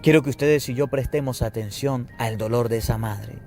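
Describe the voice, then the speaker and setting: A Catholic priest preaching a sermon with impassioned, repetitive emotional appeals to parents. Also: male voice, medium pitch, moderate pace, a little mellow, soft background music.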